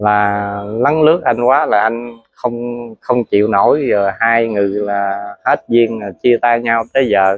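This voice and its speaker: The speaker moves at a very slow pace with hardly any pauses and fairly even intonation, and the sound is dry with no echo over a quiet background. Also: man. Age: 50s. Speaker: divorced man seeking a partner; interviewee. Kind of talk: interview. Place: garden.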